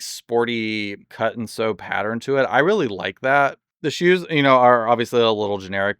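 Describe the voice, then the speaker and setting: A man chatting casually and enthusiastically in a product review, rambling with lots of fillers, his voice slightly hoarse from overuse. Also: on the low side, a bit bright, no echo, studio quality. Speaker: doll collector reviewing products.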